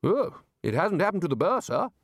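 A man's voice: high-pitched, sing-song, no room sound, studio quality, voice pushed up, heavily acted. A man voicing the blustering, commanding male head of a wizards' college. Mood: brisk. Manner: brisk, commanding. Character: blustery hunting-mad male wizard chief.

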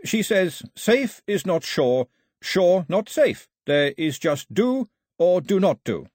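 A man acts out an earnest young girl interpreter from a storybook, raised in pitch and speaking in slow, solemn, measured phrases. The voice is slightly husky and dry. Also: sing-song, a little mellow, dry recording, full character voice. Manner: solemn, measured relaying of commands.

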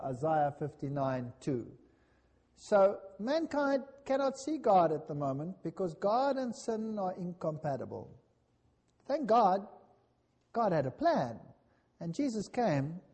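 A man preaches in a high, mellow voice. He is emphatic and deliberate, moving between scripture readings and rhetorical questions, and his words ring with the long reverb of a large hall. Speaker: preacher, lecturer.

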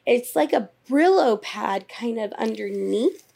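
Woman in her thirties, podcast co-host, foul-mouthed and blunt, dramatic storyteller, sounds worn out, fairly high voice. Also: expressive, a little slow, creaky, darkish tone, breathy edge. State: worn out after illness. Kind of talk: casual chat.

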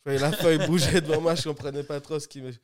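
A man in his twenties from Guadeloupe with a Guadeloupean accent, a music producer talking as a guest in a relaxed, easygoing way. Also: a little high, rapid-fire. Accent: Guadeloupean French. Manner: relaxed, laid-back, mixes English slang. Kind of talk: casual podcast chat.

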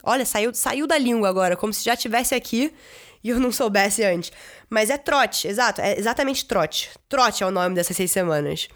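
A woman's voice: medium pitch, animated, normal speed. A young woman from Brazil telling stories in a casual vlog, chatty, full of fillers and the odd swear word. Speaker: vlogger. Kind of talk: casual storytelling.

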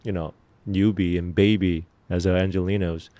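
A middle-aged man speaks English with a clear Korean accent, his voice low and recorded close and dry. He answers earnestly, pausing on fillers and restarting phrases, then leaning hard on the words that matter. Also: level tone, mellow, dry recording. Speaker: actor guest. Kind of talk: casual interview answers.

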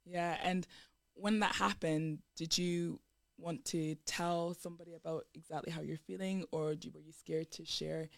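Woman, radio host, croaky sore throat, gravelly edge. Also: low voice, fairly even intonation, normal speed, dry recording, studio quality. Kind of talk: casual radio interview. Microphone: studio microphone.

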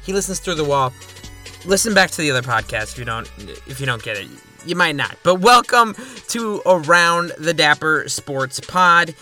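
Bright, chatty male podcast host. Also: on the high side, expressive, faint music behind. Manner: chatty, jokey asides, rapid topic rundowns. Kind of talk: casual solo podcast.

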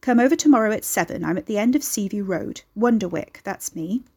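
A woman's voice: mid-range voice, animated, brisk, darkish tone, breathy edge. Lady doing a gossipy old granny for an audiobook, folksy and pushy, rambles on, kinda motherly. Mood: bossy. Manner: folksy dialect, rambling, nosy. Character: elderly gossipy grandmother, maternal, pushy, grumbling about family.

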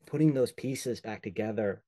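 A young man from El Salvador talks through his ideas slowly, restarting sentences as he finds the right words. His voice is mellow and fairly low. The sound is close and dry. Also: no room sound. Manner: thoughtful, searching, frequent restarts and fillers. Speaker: podcast guest. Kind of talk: reflective conversational interview.

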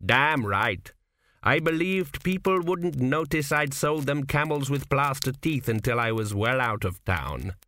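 Man doing crude old ancestor ghost, cynical swindler, slow gruff drawl, raised voice, lively. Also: medium pitch, voice pushed up. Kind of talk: audiobook character voice.

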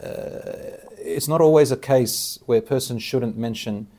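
A man hosts an interview with a mellow, dark voice. He speaks earnestly, like a teacher giving religious advice. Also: mid-range voice, unhurried, creaky. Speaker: interviewer and Islamic preacher.

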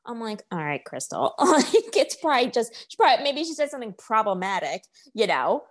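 A woman's voice: a little high, big pitch swings, brisk. A woman co-hosting a podcast, easygoing and agreeable, with hesitant fillers. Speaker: podcast co-host. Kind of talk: casual chat.

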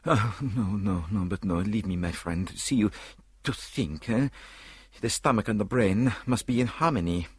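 A man voicing a fussy little Belgian detective with a put-on French accent, speaking in a high, theatrical way. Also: moderate pace, slightly rough, no echo. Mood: queasy.

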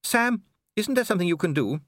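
A man's voice: sits high, lively intonation, fairly quick, a bit bright, dry recording, clean studio sound, voice pushed up. A man voicing a kindly, fussing noblewoman in an audiobook. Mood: tender.

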